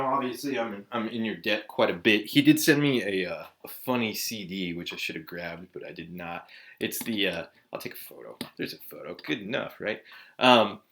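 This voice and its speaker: A man's voice: on the low side, animated, moderate pace, a bit bright, slight background noise. A man in his forties from Southern California, chatting casually to camera as a vlog host, laid-back and swearing often with lots of "like" and "dude". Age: 40s.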